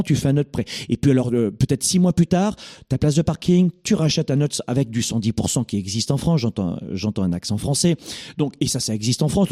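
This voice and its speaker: Middle-aged guy coaching callers, pushy and preachy, swoops up and down a lot, warm mellow tone. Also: mid-range voice. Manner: emphatic, preachy, directive. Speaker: coach hosting a call-in show. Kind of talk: motivational coaching call-in.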